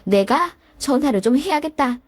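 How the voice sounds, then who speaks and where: A woman's voice: high voice, expressive, normal speed, dry recording. A woman voicing a hot-tempered middle-aged mother who rages in defense of her daughter in a told story. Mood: indignant. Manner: fuming, indignant outbursts.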